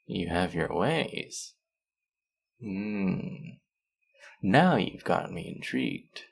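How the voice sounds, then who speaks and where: A man's voice: deep voice, very animated, drawn-out words, creaky, husky, exaggerated voice. A man playing a friendly, teasing, slightly bashful young traveler in a casual, intimate one-sided audio roleplay. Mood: teasing, intrigued.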